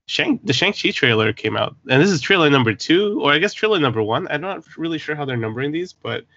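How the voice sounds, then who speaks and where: Bright-voiced joking male co-host. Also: on the high side, expressive, fast, dry recording. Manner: joking, rambling with fillers. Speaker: podcast co-host. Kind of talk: casual podcast chat. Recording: dull lo-fi dry sound.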